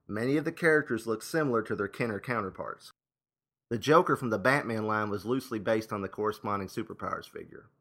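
A man's voice: lowish voice, sharp tone. A man hosting with scripted narration and casual, wry asides. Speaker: host and narrator.

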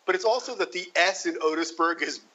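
Male co-host, bright and eager, dull-sounding recording. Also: fairly high pitch, quick pace. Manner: enthusiastic, builds points with many restarts. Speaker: podcast co-host. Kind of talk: casual film discussion.

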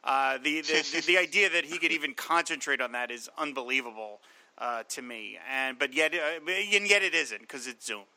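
A man hosting a podcast, talking in a casual, halting way with many restarts. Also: a little high, sharp tone, dry recording, poor audio. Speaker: podcast host.

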